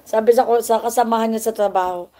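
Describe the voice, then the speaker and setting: A woman's voice: a little high, fairly even intonation, quick pace, noisy background. A playful, teasing woman from the Philippines chatting casually on a livestream, laughing often. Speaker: vlogger.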